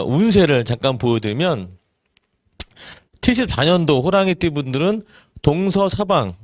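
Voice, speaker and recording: Earnest forties male presenter, animated delivery, dry recording. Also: on the high side, dry recording. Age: 40s. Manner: earnest, rhetorical questions, many "eo" fillers. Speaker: network marketing business presenter. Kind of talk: seminar talk to an audience.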